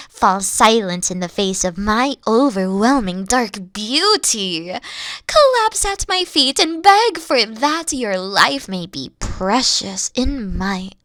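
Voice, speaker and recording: High, animated, dorky evil queen. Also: no echo, clean studio sound, heavily acted. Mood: grandiose, commanding. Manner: grandiose, pompous villain talk slipping into casual dorkiness. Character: dorky, theatrical evil queen, secretly sweet and needy. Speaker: voice actress in audio roleplay. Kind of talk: comedic character roleplay monologue.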